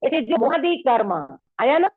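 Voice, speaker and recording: A woman teaching a scripture study class online, explaining slowly and repeating key phrases while her voice breaks up over a bad connection. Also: high-pitched, big pitch swings, slightly rough, no room sound. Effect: breaking up over a bad online call connection. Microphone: phone or computer on a video call. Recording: choppy, tinny online call audio.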